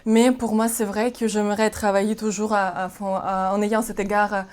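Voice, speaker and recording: A woman from Ukraine talks about her legal career in a level, mid-pitched voice. She speaks earnestly and pauses to find the right words. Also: flat delivery, darkish tone. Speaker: law graduate, future lawyer. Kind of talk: testimonial interview.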